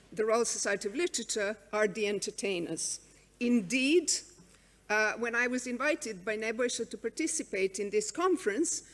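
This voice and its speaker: A middle-aged woman whose first language is Serbian gives a measured, wry conference talk with frequent ums, on a lectern microphone in a large hall. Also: mid-range voice, fairly bright tone. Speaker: conference speaker. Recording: reverberant hall sound.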